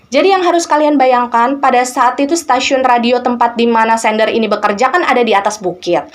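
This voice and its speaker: A woman's voice: lowish voice, a bit bright. Woman telling a story conversationally. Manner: explanatory, colloquial, addresses listeners directly. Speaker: storyteller and channel host. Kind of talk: informal narrated bedtime story, conversational.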